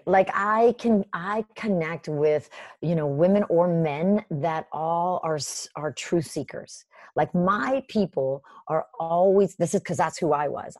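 A woman guest in a casual interview, telling stories in a lively way with many "like" and "you know" fillers. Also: lowish voice, no room sound, studio quality. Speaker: podcast guest.

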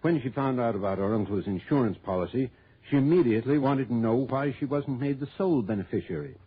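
A precise insurance office manager briefs a visitor in a matter-of-fact tone. His voice is husky. It comes through a thin, phone-like old radio sound. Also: medium pitch, lively intonation, fast.

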